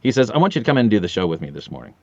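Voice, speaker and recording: Racing through his anecdotes in a low, gravelly voice, a forties-aged audio drama voice actor talks casually as a guest on a podcast, vividly acting out what people said. The recording is dry, with the high frequencies cut off.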